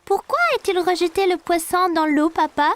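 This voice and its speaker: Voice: extremely high pitch, fairly even intonation, moderate pace, a bit bright, faint music behind. A performer voicing an eager, curious little preschool boy in a French children's cartoon, earnest and full of questions.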